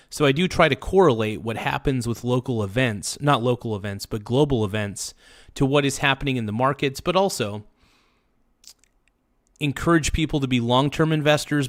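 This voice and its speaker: A man hosting his own livestream, chatting casually and rambling as he thanks viewers and talks about markets. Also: medium pitch. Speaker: livestream host.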